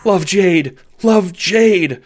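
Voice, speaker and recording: A man's voice: high voice, extremely slow, voice pushed up, full character voice. A man voicing an affectionate, simple-minded white dog that thinks aloud in broken baby talk with woofs and barks. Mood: loving, giddy.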